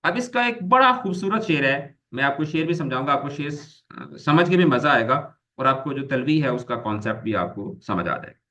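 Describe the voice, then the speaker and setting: A man's voice: medium pitch, animated, moderate pace, few pauses, bright, forceful tone. A man teaching an online grammar lecture, explaining patiently, repeating key terms and mixing English words into his explanations.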